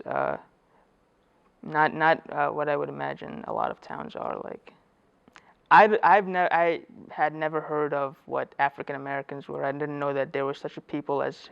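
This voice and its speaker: A man's voice: a little high, vocal fry, fairly bright tone, clear, resonant tone. A man from Afghanistan, a native Dari speaker, talking in an interview about growing up, hesitant with frequent restarts and self-corrections. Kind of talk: reflective personal storytelling. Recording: dull lo-fi audio.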